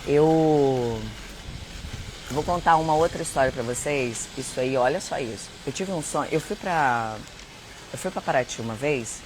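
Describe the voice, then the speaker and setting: A Brazilian woman hosting a live spiritual chat, telling personal stories in an animated, dramatic way and often addressing her viewers. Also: low voice, slight background noise. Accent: Brazilian Portuguese. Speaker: host.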